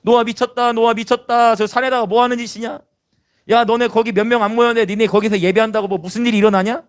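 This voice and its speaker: A man's voice: very high voice, flat delivery, rapid-fire, clean tone, dry recording, studio quality, pitched above the performer's own voice. A man voicing a crowd of jeering scoffers who mock a believer, in a taunting, scornful manner.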